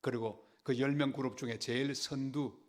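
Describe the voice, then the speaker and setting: An older man delivers a sermon as a lively story. His pitch and volume jump sharply for emphasis, then drop back to a plain speaking tone. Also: moderate pace. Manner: animated storytelling, dramatic rises in pitch and volume. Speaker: pastor.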